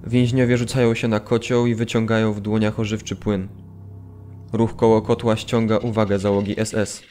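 Guy acting male prisoner telling his wartime memories, radio play, flat sombre low voice, measured. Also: close to an everyday voice. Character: male Polish camp prisoner recounting wartime memories, grave. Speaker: narrator reading a prisoner's account. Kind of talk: scripted radio drama narration.

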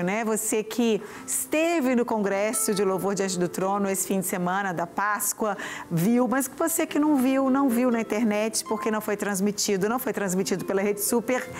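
A woman's voice: a little high, fairly quick, soft background music. A woman, hosting a TV show with an effusive, chatty manner toward viewers, on a lapel mic in a studio. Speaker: TV host. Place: bright TV studio set, indoors.

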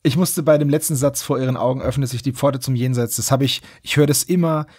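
A man's voice: medium pitch, fairly even intonation, fast, a little mellow, breathy edge, no room sound, clean studio sound. A man hosting a podcast, chatting casually. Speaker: podcast host.

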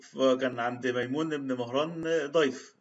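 A man's voice: mid-range voice, fairly even intonation, moderate pace. A man with an Egyptian Arabic accent giving a storytelling religious talk, retelling old anecdotes and reciting quotes in formal classical Arabic. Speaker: religious speaker. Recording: slightly dull lo-fi sound.

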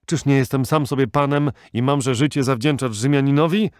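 A man voicing a proud, fierce old Arab sheikh who shouts in outrage, reading an audiobook with a dry sound. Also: brisk, clear, resonant tone, no echo, close to an everyday voice. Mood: outraged. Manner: shouting in outrage, rising pitch.

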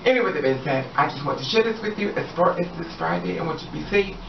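A woman's voice: lowish voice, animated, fast, creaky. Sassy outspoken woman, roomy distant sound. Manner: sassy, blunt and outspoken, with swearing. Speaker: vlogger. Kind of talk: direct-to-camera monologue. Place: hallway at home, indoors. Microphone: camera a few steps away. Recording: roomy, distant, dull sound with background hiss.

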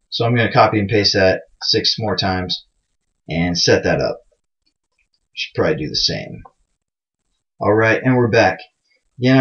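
A man's voice: medium pitch, a bit bright. Casual guy explaining code, lo-fi mic. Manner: loose, chatty and self-mocking, with many fillers. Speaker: programming tutorial host. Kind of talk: casual screencast tutorial. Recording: dull lo-fi mic sound.

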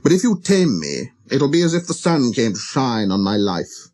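A man voicing a lonely, gentle wild fox in a storybook, speaking slowly and earnestly with hesitant pauses. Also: mid-range voice, very animated. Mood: wistful. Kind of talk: storybook character reading.

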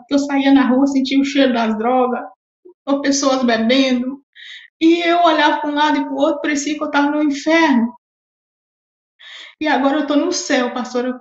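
A woman's voice: high voice, roomy sound, lo-fi sound. A Brazilian woman with a Brazilian Portuguese accent giving a fervent, tearful religious testimony, crying as she talks, repeating herself. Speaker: testimony guest.

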